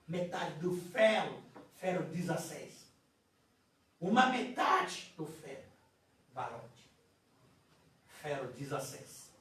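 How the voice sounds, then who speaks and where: Preacher with wild pitch swings in an echoey church. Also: male voice, lively intonation, slow, long pauses, a little hiss or hum. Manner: swings between shouting and hushed telling. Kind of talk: sermon testimony. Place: church sanctuary. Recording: echoey church hall from far off.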